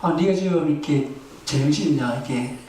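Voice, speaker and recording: A man's voice: on the high side, fairly quick, warm tone, lightly acted. A man voicing a stern, threatening male tribal chief who fires blunt questions in a sermon story. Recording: echoey hall, distant mic.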